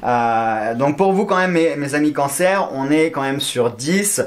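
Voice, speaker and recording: A man's voice: on the high side, lively intonation, unhurried. A man giving a casual weekly horoscope reading, joking around and counting scores aloud. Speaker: astrology and tarot reader.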